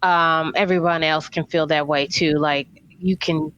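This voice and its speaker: A woman's voice: low voice, fairly even intonation, measured pace, a bit bright, clean tone, no room sound, highs cut off. A woman hosting a casual podcast chat. She talks emphatically and repeats words for effect. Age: 40s. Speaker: podcast host.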